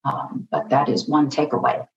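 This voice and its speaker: A woman's voice: very deep voice, normal speed, vocal fry. A woman speaking as a guest in an interview, earnest and repeating herself with many fillers. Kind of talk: conversational interview. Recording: distant, roomy, dull audio with faint noise.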